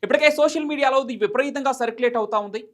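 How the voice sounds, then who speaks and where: Fast-talking man presenting news. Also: very high-pitched. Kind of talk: news commentary to camera.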